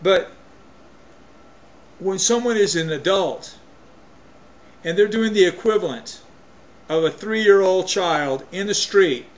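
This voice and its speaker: A man with a voice pitched a little higher than most men rants into the camera in a folksy, emphatic way. He keeps restarting and doubling back on his phrases as he talks. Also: slow pace, long pauses, highs cut off. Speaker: vlogger. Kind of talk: opinion rant to camera.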